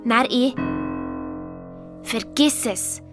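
A headstrong young girl narrates an audio drama in a Swiss German accent. She sounds lively and quick to flare up, in a high voice. Soft music runs faintly under the talk. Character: headstrong girl, about twelve, hot-tempered. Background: faint background music.

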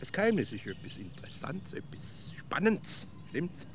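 A man's voice: fairly high pitch, very animated, normal speed, a little hiss or hum. An actor with a Swiss accent playing a stubborn, pedantic man in a children's radio play, who argues and splits hairs. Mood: quibbling. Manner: argumentative, splitting hairs, playfully provocative.

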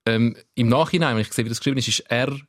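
A man's voice: medium pitch, racing, no echo, clean studio sound. A man with a Swiss German accent hosting a casual podcast, asking questions and sharing anecdotes. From Switzerland. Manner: relaxed, asks questions and tells anecdotes. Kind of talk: casual chat.

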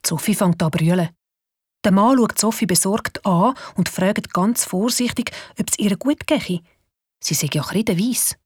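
A woman with a Swiss German accent narrating a children's radio play in a lively, expressive way. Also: mid-range voice, normal speed, husky, no echo, clean studio sound. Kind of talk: storytelling narration.

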